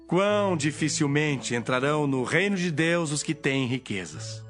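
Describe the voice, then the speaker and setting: A man's voice: a little high, expressive, measured pace, fairly bright tone. Casting: male actor as a solemn, firm holy teacher for a Bible audio drama, widely varied intonation, music behind. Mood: earnest, solemn.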